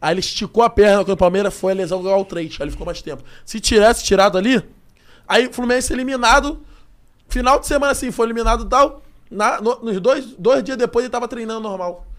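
Man, Rio accent, casual chat, rapid talk, loud jokey outbursts. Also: high voice. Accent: Rio de Janeiro Portuguese. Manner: joking, slangy, with loud outbursts. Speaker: podcast guest.

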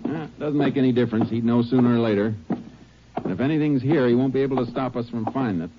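A man playing a calm, shrewd Texas Ranger in a 1950s radio drama, laconic and persistent, on a muffled old radio recording. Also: medium pitch, quick pace, noisy background, lightly acted. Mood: calm, determined. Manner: laconic, matter-of-fact.

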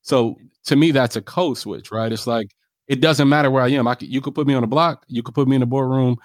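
A man's voice: medium pitch, fairly even intonation, quick pace, no room sound, studio quality. A man with an African American accent talking casually in an interview, emphatic and self-assured, often punctuating his points with "right?". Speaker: real estate developer being interviewed.

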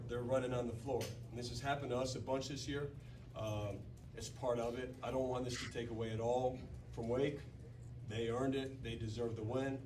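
Earnest coach at a distant, noisy mic. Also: male voice, medium pitch. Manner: earnest, firm, repeats key points. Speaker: basketball coach. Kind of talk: post-game press conference statement.

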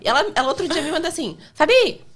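A woman's voice: high voice, animated, a bit bright. A Brazilian woman guest chatting and laughing, quoting messages as she goes. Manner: quick, laughing, quoting others. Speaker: guest influencer. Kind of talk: casual chat.

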